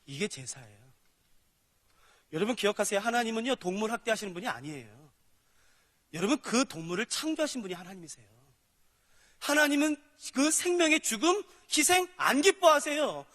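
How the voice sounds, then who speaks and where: A high, bright-voiced man delivers a sermon as a pastor, animatedly acting out dialogues between God and sinners. His voice rings with a long reverb from a large church hall. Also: very animated, brisk, long pauses.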